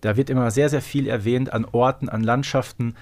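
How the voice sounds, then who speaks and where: A man around forty with a mid-pitched voice talks as a podcast co-host. He chats casually and works through details in an explanatory, analytical way. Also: fairly even intonation, fairly quick, a little mellow. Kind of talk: casual fan podcast discussion.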